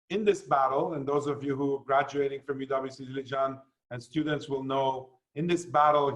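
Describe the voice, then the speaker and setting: A man raised in Canada and the United States, giving a formal address as a guest speaker in a measured, explanatory way with fillers. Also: mid-range voice, fairly bright tone, poor audio.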